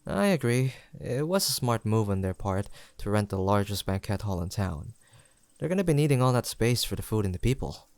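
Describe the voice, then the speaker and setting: A young man acting an affectionate, teasing best friend in an intimate audio roleplay, chatting in a gentle, playful and sincere way. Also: on the low side, big pitch swings, a little fast, dry recording. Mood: amused, chatty. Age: young adult.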